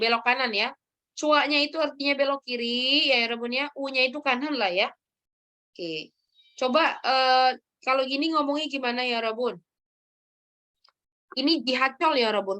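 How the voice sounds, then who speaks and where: High-voiced woman teaching a language. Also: fairly bright tone. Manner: tags sentences with "ya" and calls on students. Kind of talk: online language lesson.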